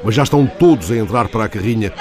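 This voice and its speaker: A man giving scripted, literary narration for a documentary, measured and reading out book passages. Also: fairly low pitch, animated, a little mellow. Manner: measured, reads quotes from a book.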